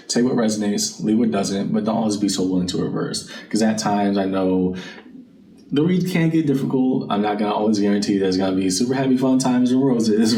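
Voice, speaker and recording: A man's voice: fairly low pitch, warm tone. A man giving a casual tarot reading, talking straight to the listener and thinking aloud in an informal way as the host. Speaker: tarot card reader and channel host. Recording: roomy, distant mic, faint background noise.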